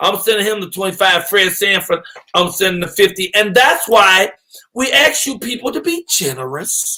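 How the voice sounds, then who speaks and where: A man's high-pitched, raised and projected voice with a bright, sharp tone. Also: ordinary pitch variation, moderate pace. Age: 60s. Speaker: comedian and morning show host. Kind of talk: casual live show chat. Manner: animated.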